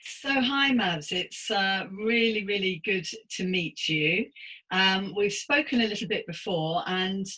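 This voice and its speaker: A woman's voice: mid-range voice, measured pace, sharp tone, rough recording. A woman of about sixty, hosting an interview podcast in an encouraging, polite, effusive manner. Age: around 60. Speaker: podcast host and psychotherapist. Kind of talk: scripted intro and chatty interview hosting.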